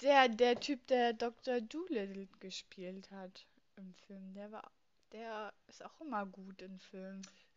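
Speaking very slowly, a woman uses a medium pitch with ordinary pitch variation and big swings in loudness. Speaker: nurse. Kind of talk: casual chat. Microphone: too quiet at first.

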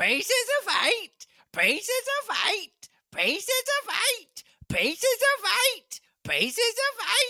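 Someone puts on a shrill character voice at an extremely high pitch, talking at a fairly slow pace with long, frequent pauses. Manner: repetitive, squawking.

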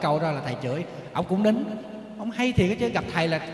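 Over noticeable background noise and audible room echo, a man talks at a very fast pace with lively intonation. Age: 40s. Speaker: Buddhist monk, dharma teacher. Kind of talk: dharma talk. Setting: temple retreat with audience. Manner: animated storytelling.

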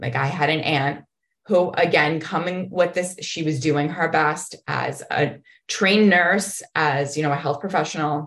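At a fairly slow pace, a woman speaks in a very deep, low voice with fairly even intonation. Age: 30s. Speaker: nutrition coach and yoga instructor. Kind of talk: casual interview.

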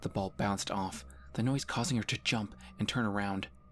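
What we hear is an unforced reading voice.

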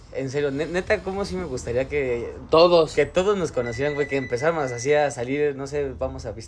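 A man's fairly high voice at a fairly quick pace, amid noticeable background noise. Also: ordinary pitch variation. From Mexico. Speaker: podcast co-host. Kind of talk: casual chat.

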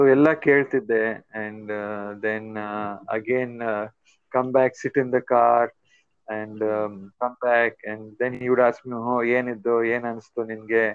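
A man with a Kannada accent talks at a very slow pace in a medium pitch, with monotone, flat intonation. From India. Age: 60s. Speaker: family elder recounting memories. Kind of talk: family interview.

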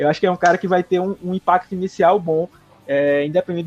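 Very fast and high-pitched, a man talks with fairly even intonation in a northeastern Brazilian accent. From Brazilian Northeast. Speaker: NFL draft analyst. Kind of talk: casual chat.

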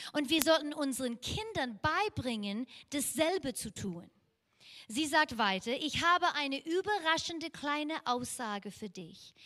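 Her voice raised and projected, a woman with an English accent speaks at a fairly slow pace in a high, bright, sharp tone, with very wide pitch swings and big swings in loudness. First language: English (speaking German). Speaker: pastor. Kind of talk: sermon. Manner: halting.

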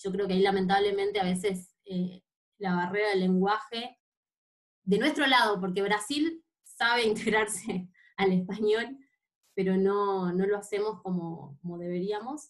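Speaking at a fairly slow pace, a woman with a medium pitch and ordinary pitch variation uses an ordinary speaking voice. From Salta, northwest Argentina. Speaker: cycling activist. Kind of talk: interview.

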